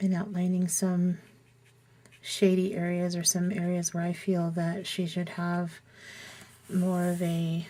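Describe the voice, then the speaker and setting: A woman speaks at a very slow pace in a fairly low voice. Her delivery is somewhat breathy. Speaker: art tutorial video maker. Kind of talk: tutorial. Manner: casual, chatty.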